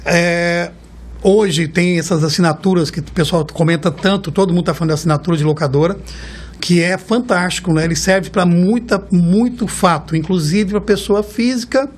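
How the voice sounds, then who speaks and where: A man's voice: sits high, moderate pace. Chatty Brazilian man in his fifties. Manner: chatty, warm storytelling, keeps tagging phrases with a questioning "right?". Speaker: guest, car rental executive. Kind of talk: casual interview talk.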